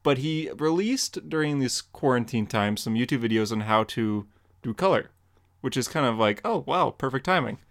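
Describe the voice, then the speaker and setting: A man's voice: medium pitch, normal speed. A young man co-hosting a podcast, chatting casually with frequent laughs and jokes. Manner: laughing, joking, relaxed. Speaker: podcast co-host and comic artist. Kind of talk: casual chat.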